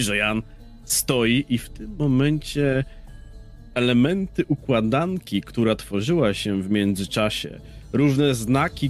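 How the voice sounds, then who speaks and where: A young man playing in a tabletop game, describing his character's actions thoughtfully. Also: medium pitch. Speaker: player.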